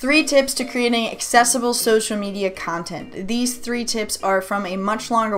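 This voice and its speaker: A woman's pitch rises and falls in an ordinary way as noticeable background noise continues. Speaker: digital ministry trainer. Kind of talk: tutorial. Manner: fast.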